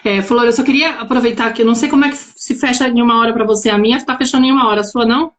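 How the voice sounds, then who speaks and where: Fast-talking, animated mother on a live call. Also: fairly high pitch. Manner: earnest, animated, acts out dialogues with her daughter. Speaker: guest speaker on parenting. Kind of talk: live conversation.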